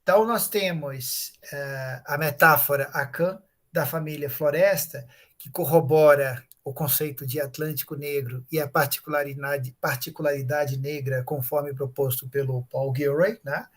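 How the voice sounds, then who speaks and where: A professor with a Brazilian Portuguese accent delivers an unscripted academic lecture at a conference, explaining things with many fillers and tag questions. His voice is fairly high, steady in tone, and moderately paced.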